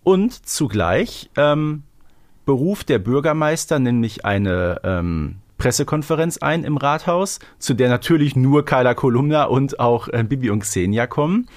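A man's voice: mid-range voice, lively intonation, unhurried, dry recording, studio quality. A man co-hosting a podcast, chatting casually and wryly as he reviews a story. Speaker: podcast co-host. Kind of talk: casual review chat about audio dramas.

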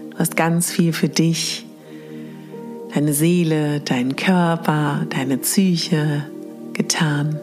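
A woman leading a guided meditation in the soothing manner of a sleep story narrator, with breathy phrase endings. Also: sits low. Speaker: podcast host and guided exercise leader. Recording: music behind the voice. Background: clear background music.

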